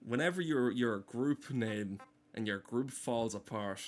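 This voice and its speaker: A man giving casual gameplay commentary in a deadpan, mock-solemn manner. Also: medium pitch, unhurried. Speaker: gameplay streamer. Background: game music.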